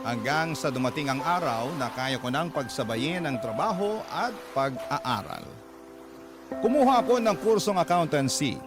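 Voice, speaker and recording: A young gay man recounting his life for a radio drama. The voice is on the high side, campy and confiding, wounded yet wry. Loud music runs underneath. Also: sing-song, moderate pace. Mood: wry, proud. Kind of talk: first-person radio drama narration.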